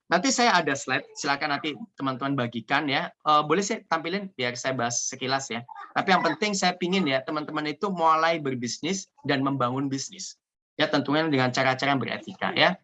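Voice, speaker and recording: A man from Indonesia giving an energetic, joking motivational business talk over a video call. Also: fairly high pitch. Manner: energetic, joking, repeats "ya" often. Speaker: seminar speaker.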